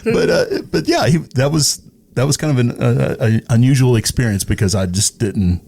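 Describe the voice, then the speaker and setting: A man's voice: mid-range voice, expressive, moderate pace, darkish tone. A middle-aged man talking casually as an interview guest, hesitant, thoughtful and good-natured. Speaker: interview guest, radio personality. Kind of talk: casual chat. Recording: clear background noise.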